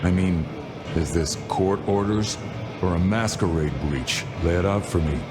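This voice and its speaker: An actor playing an unflappable, discreet vampire venue keeper in a noir video game, talking in a wry, unhurried, folksy way. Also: male voice, sits low. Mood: calm, firm.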